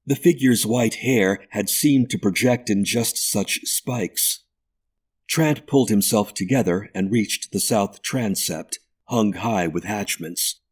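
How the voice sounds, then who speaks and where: A man narrating a ghost story audiobook in a measured, deliberate way. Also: lowish voice, slightly rough.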